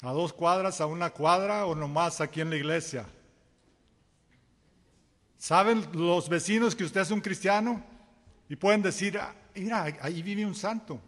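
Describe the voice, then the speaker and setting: Male preacher, folksy storyteller, high voice, echoing church hall. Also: measured pace, pauses often. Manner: folksy storytelling, acts out dialogue, chuckles. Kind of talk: sermon with a parable.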